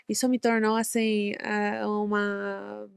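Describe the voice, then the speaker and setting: Non-native woman guest, casual, halting, lots of fillers, dry studio sound. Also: medium pitch, level tone, creaky, smooth, no room sound. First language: not Portuguese. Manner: hesitant, searching for words, many fillers. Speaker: guest entrepreneur. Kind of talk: casual interview chat.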